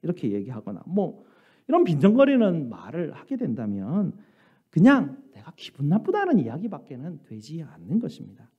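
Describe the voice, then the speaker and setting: A man's voice: on the high side, wildly swooping pitch, normal speed, dark tone, husky. A man preaching a sermon as pastor, earnest and full of rhetorical questions. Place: church sanctuary. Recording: dull lo-fi church recording.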